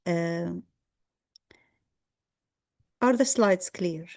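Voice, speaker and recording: A middle-aged woman from Egypt gives a guest lecture over a video call. She talks at a measured pace, pausing on ums and restarting sentences as she goes. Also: fairly low pitch, a little mellow. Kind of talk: online lecture.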